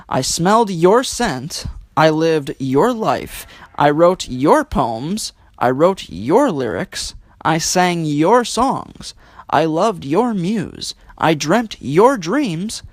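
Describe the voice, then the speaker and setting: A man's voice: fairly high pitch, dry recording. A man speaking in an earnest, reflective way as a guest poet. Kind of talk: earnest conversational talk and poetry reading.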